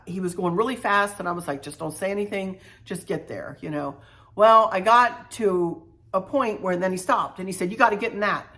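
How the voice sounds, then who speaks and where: A woman's voice: fairly low pitch, a bit bright. A middle-aged woman from Virginia, telling viewers a travel story in a chatty way, repeating herself and adding folksy asides. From Virginia, USA. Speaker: travel vlogger.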